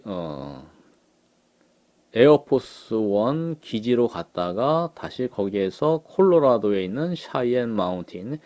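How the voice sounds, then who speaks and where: A man giving unhurried political commentary on pictures. He fills his talk with frequent short affirmations. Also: mid-range voice, darkish tone. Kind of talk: casual commentary on images.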